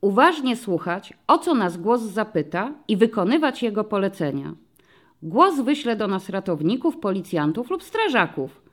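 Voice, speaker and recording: Woman reading as a friendly cop talking to a class of kids, calm and patient, voice going up and down a lot. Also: medium pitch. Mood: explaining. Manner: calm, explaining slowly to children. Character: middle-aged male police commissioner, patient and friendly. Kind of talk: audiobook story reading.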